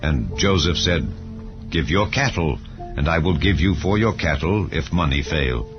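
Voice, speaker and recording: A man reading scripture as an audiobook narrator in a solemn, measured, deliberate way. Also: rumbling low, animated. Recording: dull lo-fi audio, music underneath. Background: background music.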